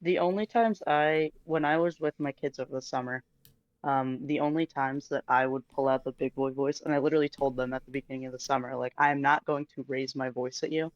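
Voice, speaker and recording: A woman's voice: rumbling low, fairly even intonation, brisk, dry recording. A young woman chatting casually as a stream guest, laid-back and laughing as she talks. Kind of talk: casual chat. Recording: muffled, dry sound.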